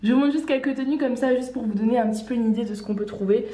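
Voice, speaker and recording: A woman's voice: fairly high pitch, racing, dark tone, roomy sound. A woman with a slight cold, chatting casually as she presents outfits from her clothing shop, with frequent fillers and restarts. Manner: chatty, many fillers and restarts, light laughs. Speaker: online clothing shop owner. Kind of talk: casual fashion try-on vlog.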